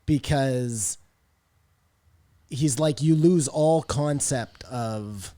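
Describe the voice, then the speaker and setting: A man's voice: medium pitch, extremely slow, dark tone. A man co-hosting a podcast in a casual discussion, informal and given to swearing. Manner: informal, profane. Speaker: podcast co-host.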